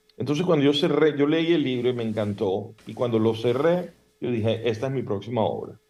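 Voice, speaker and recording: A man is speaking. His tone is dark and mellow. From Venezuela. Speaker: theatre director and playwright. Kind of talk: interview. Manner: halting.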